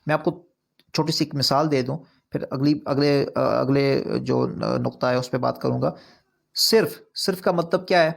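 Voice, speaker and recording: He speaks at a medium pitch in a steady, gravelly tone while teaching recitation online. Points get earnest explanation and then repetition with escalating emphasis, and Urdu is not his first language.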